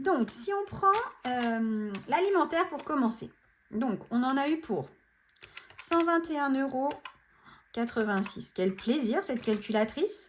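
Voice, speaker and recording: Using very wide pitch swings and long, frequent pauses, a woman speaks with a high pitch. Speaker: budget vlogger. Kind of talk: casual vlog talk. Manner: fast; hesitant, many fillers.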